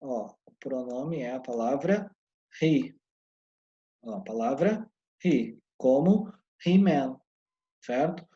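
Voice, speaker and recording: Mellow Brazilian male English teacher. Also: mid-range voice, animated, highs cut off. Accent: Brazilian Portuguese. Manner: explains patiently, sounds out English words slowly. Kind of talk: online English lesson.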